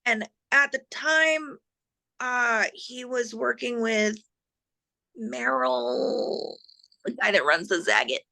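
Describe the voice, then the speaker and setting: A woman's voice: fairly high pitch, lively intonation, takes it slowly, gravelly, pauses often, bright, forceful tone. A middle-aged woman chatting casually as an interview guest, laughing often and growing emotional as she remembers. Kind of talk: casual conversation.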